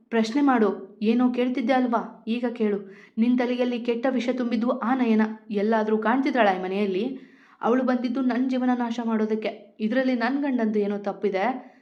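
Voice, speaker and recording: A woman's voice: a little high, lightly acted. Woman doing a tearful older wife, pleading. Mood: tearful scolding. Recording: lo-fi recording.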